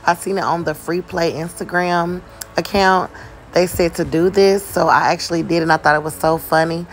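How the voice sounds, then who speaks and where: A woman's voice: fairly low pitch, moderate pace, slight background noise. A woman hosting a gaming channel, chatting casually through a voice-over tour of a game build and talking straight to her viewers. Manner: relaxed, chatty, addresses viewers as "you guys".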